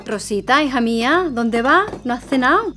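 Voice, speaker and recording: A woman playing a gentle, concerned mother with a Spanish accent in an audio drama. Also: high-pitched, lively intonation, moderate pace, faint music behind.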